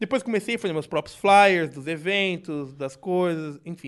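Here a man speaks with a high pitch at a moderate pace. His pitch variation is ordinary, and the background is quiet. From Brazil, interior of São Paulo state (Araraquara). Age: 30s. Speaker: podcast guest, content creator. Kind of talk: casual chat. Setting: studio.

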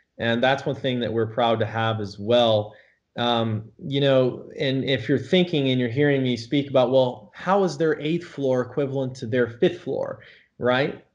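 Man with an American accent and an ordinary speaking voice, medium pitch and ordinary pitch variation. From Florida. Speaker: real estate broker. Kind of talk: casual chat.

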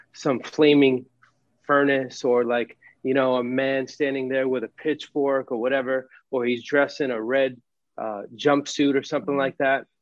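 In an American accent, a man talks at a moderate pace with a medium pitch and monotone, flat intonation. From New Jersey / Brooklyn. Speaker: seminary student, co-host of a Bible podcast. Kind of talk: interview conversation.

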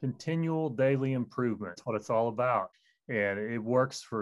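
A man at a medium pitch and moderate pace, an unremarkable speaking voice against a quiet background. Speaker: podcast host and online instructor. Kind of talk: interview, podcast host.

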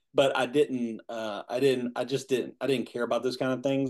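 This is a plain, everyday voice of a man with an American accent. He keeps a moderate pace at a medium pitch. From US South, North Carolina. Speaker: interviewee on spiritual awakening. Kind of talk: interview.

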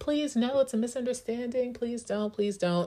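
A female-sounding voice does a put-on character voice at a high pitch and moderate pace, with light background noise. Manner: desperate, pleading.

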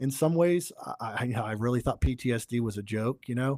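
On a very clean recording with a silent background, a man talks in an ordinary speaking voice at a medium pitch with ordinary pitch variation. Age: 30s. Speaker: January 6 defendant and podcaster. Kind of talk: interview testimony.

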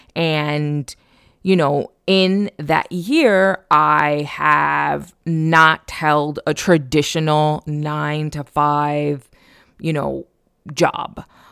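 Recorded very cleanly against a silent background, a woman with a very deep, low pitch talks at a very slow pace with fairly even intonation. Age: 30s. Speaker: podcast host. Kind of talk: solo casual monologue.

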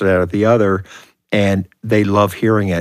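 A man speaks in an ordinary speaking voice at a fairly low pitch and moderate pace with fairly even intonation, on a very clean recording with a silent background. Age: 60s. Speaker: printing businessman. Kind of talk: casual chat.

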